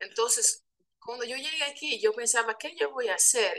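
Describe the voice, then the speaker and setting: A woman's high-pitched voice with very wide swings in pitch. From Netherlands. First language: Dutch (speaking Spanish). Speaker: Dutch language teacher. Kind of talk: casual interview.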